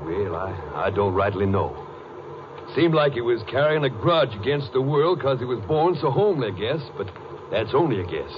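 An actor playing an easygoing oil drilling boss in a 1950s radio western, with a Southern American accent and a hesitant, folksy drawl. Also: male voice, medium pitch, very animated, moderate pace, close to an everyday voice. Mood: hesitant, reflective. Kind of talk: 1950s radio western crime drama acting. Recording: muffled, noisy 1950s radio recording.

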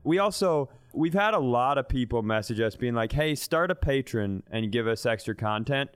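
A man's voice: mid-range voice, expressive, normal speed, clean tone, no echo. A man co-hosting a comedy podcast in informal, casual chat with some swearing.

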